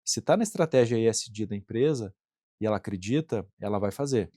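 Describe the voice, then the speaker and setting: A man's voice: fairly low pitch, lively intonation, a little fast, warm tone, no echo. Earnest Brazilian man, dry close sound. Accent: Brazilian Portuguese. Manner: earnest, frequent "né" tag questions, repeats words. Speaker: industrial plant manager, guest. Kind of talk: conversational interview answers.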